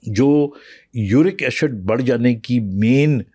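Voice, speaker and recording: A doctor being interviewed on a podcast, patiently explaining in a calm way with pauses and fillers, sometimes switching to English phrases. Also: medium pitch, husky, no room sound, clean studio sound.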